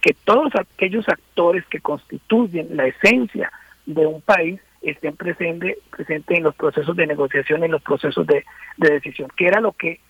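A man analyzing politics as a radio interview guest, thinking aloud with many pauses and restarts. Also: on the high side, husky, dry recording. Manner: thoughtful, many hesitations and restarts. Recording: tinny phone line, dry.

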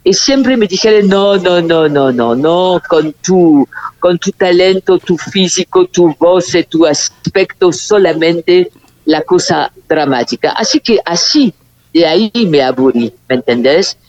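A woman with a very low voice for a woman, a guest speaking on a remote call, rambling with many restarts and tag questions. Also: expressive, measured pace, darkish tone, no echo. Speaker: guest performer. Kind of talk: remote interview over a call. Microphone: phone call. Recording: dull phone-line call, dry.

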